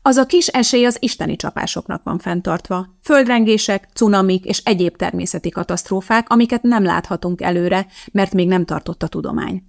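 A woman's voice: medium pitch, vocal fry, hardly any pauses, natural voice. A woman reading the part of a precise, blunt woman chemist, lecturing in a matter-of-fact way. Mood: earnest.

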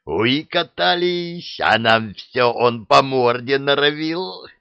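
A man's voice: mid-range voice, lively intonation, slow, creaky, smooth, no room sound, highs cut off, pitched above the performer's own voice. A man voicing the cheerful right head of a three-headed dragon in a storybook reading, raised and drawling. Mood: playful. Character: cheerful silly dragon head, male, playful.

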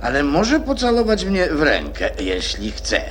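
A man's voice: fairly high pitch, wildly swooping pitch, unhurried, a bit bright, a little hiss or hum, heavily acted. A man playing a fussy, pompous, easily offended king in a children's radio play. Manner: pompous, petulant.

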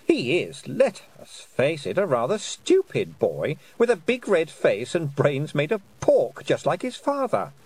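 A man's voice: a little high, huge pitch swings, unhurried, few pauses, a little mellow, slightly rough, voice pushed up, exaggerated voice. A man reading aloud and voicing a cruel, mocking fairy queen who taunts a girl. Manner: silky, taunting, condescending.

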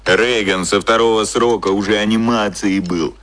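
An actor playing a cynical, cocky boss who explains things in an offhand, colloquial way, as in a radio drama. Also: male voice, on the low side, fairly even intonation, normal speed, a bit bright, natural voice. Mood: breezy explaining. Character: cynical, cocky male boss explaining secret media machinery.

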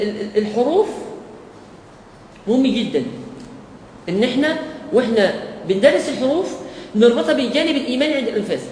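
A man with an Egyptian Arabic accent teaching a Quran course, often putting questions to his listeners and answering them himself. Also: very high-pitched. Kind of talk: recorded lecture to teachers. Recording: echoey hall with long reverb and faint hiss.

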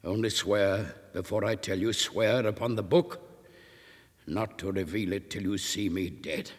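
A man's voice: low voice, unhurried, slightly rough. Man playing a grave, dying old sailor. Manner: grave, hushed. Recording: reverberant room.

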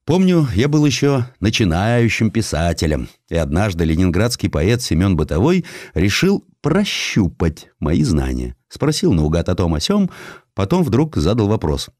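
A man's voice: on the low side, huge pitch swings, moderate pace, a little mellow, dry recording, studio quality. A man narrating a historical sketch as an audiobook, in a theatrical and wry storytelling manner.

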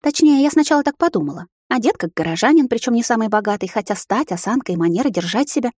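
A woman's voice: a little high, animated, fast talker, darkish tone, husky, no echo, clean studio sound, voice pushed up. A woman voicing the narrator's young sister, agitated and indignant.

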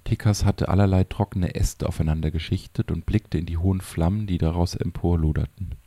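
A man reading a story aloud in a calm, even narrating style. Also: low-pitched, gravelly, no echo. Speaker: audiobook narrator. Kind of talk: scripted narration.

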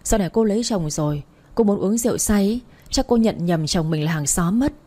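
A woman's voice: mid-range voice, expressive, a little fast, dark tone, lightly acted. A woman voicing a brusque, impatient young man who runs a bar, talking in a curt, scolding way. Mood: exasperated.

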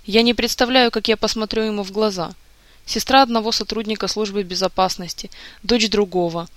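A reader voicing a grieving adult king in an audiobook, weary and halting, close to tears. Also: mid-range voice, fairly even intonation, fairly bright tone, dry recording, lightly acted. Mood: despairing.

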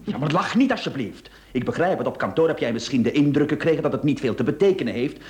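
A man's voice: fairly high pitch, expressive, fast talker, darkish tone, lightly acted. Anxious middle-aged Flemish businessman played by an actor. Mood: exasperated, pleading. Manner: exasperated, pleading. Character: anxious married businessman, cornered and exasperated. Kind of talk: radio play acting.

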